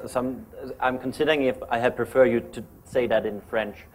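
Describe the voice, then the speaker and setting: A man with a Danish accent at a fairly quick pace. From Denmark. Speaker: architect. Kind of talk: lecture. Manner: fast.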